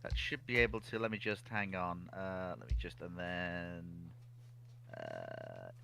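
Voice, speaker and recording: A man's voice: deep voice, lively intonation, a little slow, vocal fry, fairly bright tone. A man co-hosting a livestream in casual chat, with jokey asides. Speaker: livestream co-host.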